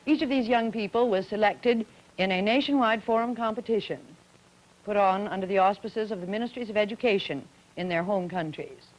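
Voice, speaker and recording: A woman moderating a student forum on an old broadcast, asking poised, brisk questions. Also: medium pitch. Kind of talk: scripted archival broadcast moderation. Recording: dull old archival broadcast audio.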